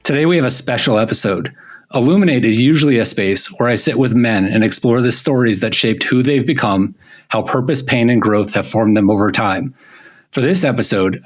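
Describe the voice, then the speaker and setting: Low-voiced male podcast host. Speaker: podcast host and panel moderator. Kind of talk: podcast introduction and panel moderating.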